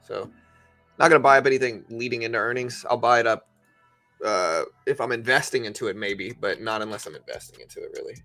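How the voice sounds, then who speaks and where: A man's voice: medium pitch, fairly quick, pushed and bright, no echo, soft background music. A man hosting a livestream, casually commenting on the stock market and explaining things conversationally as he answers viewers. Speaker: livestream host.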